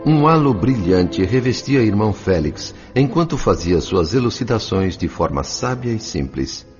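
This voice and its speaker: An actor playing an earnest, reverent spirit apprentice who narrates a radio drama in formal, literary language. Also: male voice, lowish voice, lively intonation, moderate pace, in a large hall, dull audio, over music, close to an everyday voice.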